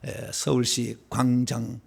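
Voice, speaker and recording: A man's voice: mid-range voice, monotone, slow, creaky, a little mellow, slightly rough. A middle-aged man from Seoul preaching a sermon as pastor, in a conversational way that asks the congregation questions and answers them himself.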